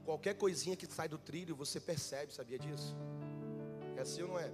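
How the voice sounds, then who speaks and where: A man's voice: on the high side, fairly quick. A man preaching a sermon as a pastor in a conversational, humorous way, often putting questions to the congregation. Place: church. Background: instrumental music.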